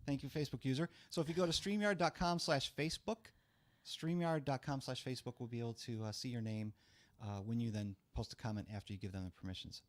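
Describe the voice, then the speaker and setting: A middle-aged man with a low, rough voice, hosting a casual live-stream chat in a small studio on a boom-arm mic. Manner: brisk, chatty, talks with his hands. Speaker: host. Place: small studio room full of gear. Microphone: studio mic on boom arm, headphones on.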